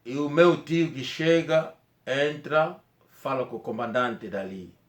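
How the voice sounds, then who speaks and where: A man from Angola with an Angolan Portuguese accent, Kikongo being his first language, telling a personal story in a rambling, halting way with many restarts. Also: medium pitch, echoey room. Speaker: vlogger.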